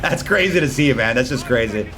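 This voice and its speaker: A man's voice: mid-range voice, animated, fairly quick. A man hosting a gaming video with casual, slangy gameplay commentary. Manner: slangy, informal.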